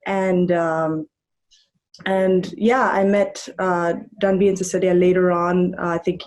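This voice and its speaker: Soft-spoken young woman guest. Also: on the low side, level tone, takes it slowly. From Germany. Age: young adult. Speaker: podcast guest. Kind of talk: casual conversation.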